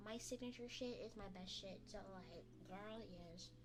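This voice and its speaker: A woman speaks in an animated tone over music playing in the background. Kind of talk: casual talk to camera, livestream chatting. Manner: excitable, animated, swearing casually.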